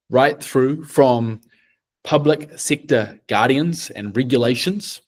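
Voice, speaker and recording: A middle-aged man with a New Zealand accent, presenting a team project in a deliberate, measured way. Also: medium pitch.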